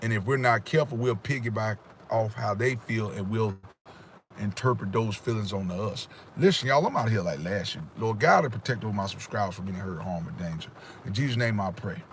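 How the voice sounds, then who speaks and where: A man's voice: lowish voice, a little fast, a little hiss or hum. A man hosting a casual livestream, giving emphatic, preachy life advice straight to his viewers. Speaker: livestream host. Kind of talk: casual motivational livestream talk. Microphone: phone or webcam in front of him.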